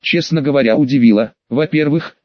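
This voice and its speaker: A man's voice: mid-range voice, fairly quick, no echo. A man reading a first-person audiobook in a wry, conversational storytelling manner. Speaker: audiobook narrator. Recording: dull, dry lo-fi recording.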